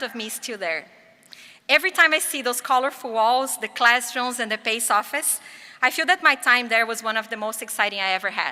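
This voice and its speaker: A woman's high-pitched voice in a Portuguese accent, bright and sharp in tone, with ordinary pitch variation and a fairly quick pace. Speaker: graduating student. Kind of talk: graduation speech.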